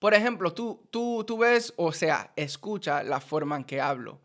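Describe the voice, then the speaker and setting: Slow-talking Puerto Rican-accented man. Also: fairly high pitch, expressive, fairly bright tone. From United States. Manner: slow, repeats and restarts words while explaining. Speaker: Spanish teacher. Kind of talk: casual teaching to camera.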